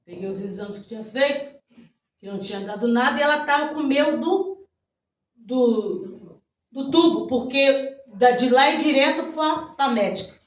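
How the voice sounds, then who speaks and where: A woman pastor with a Brazilian accent tells her testimony in an animated way, breaking into loud cries of praise. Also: high-pitched, moderate pace. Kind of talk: testimony preaching. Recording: very echoey hall from far off.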